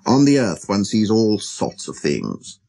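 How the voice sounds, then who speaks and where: Wistful wild fox for a storybook, male reader: deep, soft-toned, murmuring, slow and earnest. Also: wildly swooping pitch, creaky, exaggerated voice. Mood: thoughtful. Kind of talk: storybook character reading.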